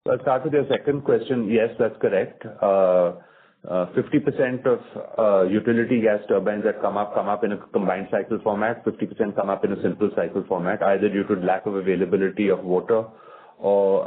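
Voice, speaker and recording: Measured executive voice on phone line. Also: male voice, lowish voice, steady tone. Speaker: company executive on earnings call. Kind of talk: earnings call answer.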